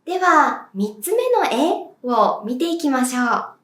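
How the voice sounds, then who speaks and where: A woman teaching as a language teacher, speaking clearly and deliberately and demonstrating sounds for viewers to repeat. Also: sits high, very animated, fairly bright tone, slight background noise. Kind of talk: slow, clear pronunciation lesson. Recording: echoey room.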